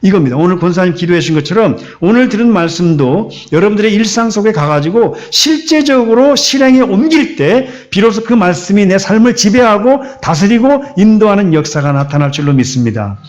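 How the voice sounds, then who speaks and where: A man's voice: sits high, a little fast, hardly any pauses. A man preaching a sermon as pastor, asking rhetorical questions and acting out the story. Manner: animated, acts out the story in quoted voices, asks rhetorical questions. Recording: dull lo-fi recording.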